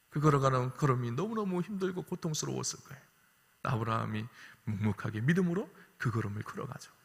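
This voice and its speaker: A male pastor preaching to his congregation, often asking them short questions and swinging from soft to loud. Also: mid-range voice, creaky. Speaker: senior pastor. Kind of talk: sermon. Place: church sanctuary. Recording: long hall reverb.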